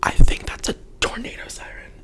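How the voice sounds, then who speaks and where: An eighteen-year-old man whispering a casual ASMR question-and-answer session from his bedroom, rambling with lots of "um" and "like". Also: a little fast. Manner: rambling, chatty, full of "um" and "like". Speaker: ASMR creator.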